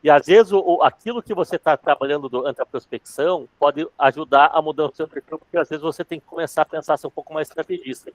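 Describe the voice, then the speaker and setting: Fast-talking man, dry close sound. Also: a little high, no room sound. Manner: fast-talking, calls himself accelerated. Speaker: sales trainer. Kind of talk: casual live class chat.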